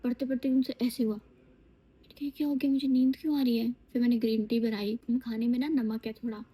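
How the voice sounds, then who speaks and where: Chatty high-voiced woman vlogging. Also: fairly quick, husky, low-quality recording. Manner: chatty, animated, addresses viewers as lovelies. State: sleepy and tired. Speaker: vlogger and TV actress. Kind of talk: casual chatty vlog. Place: on a TV shoot location, in and out of doors.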